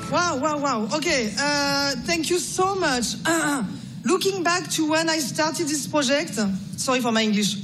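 A woman with a heavy French accent, a film director giving a halting, self-deprecating award speech. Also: sits high, over music, low-quality recording. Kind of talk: award speech and interview clip.

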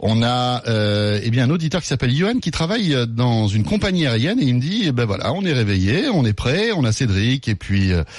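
A man's voice: mid-range voice, sing-song, brisk, few pauses, no room sound, clean studio sound. Chatty male radio host. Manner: chatty, greets listeners by name. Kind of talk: live call-in radio show.

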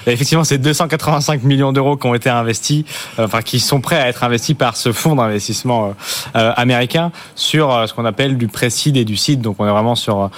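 Fast-talking studio guest man. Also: mid-range voice. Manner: fast, with many fillers and restarts. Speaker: guest, content director of a crypto media outlet. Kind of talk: studio talk show interview. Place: broadcast studio.

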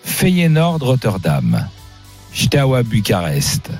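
A man hosting a radio quiz in a studio, jokey and quick with asides. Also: mid-range voice, huge pitch swings, darkish tone, breathy edge, soft background music.

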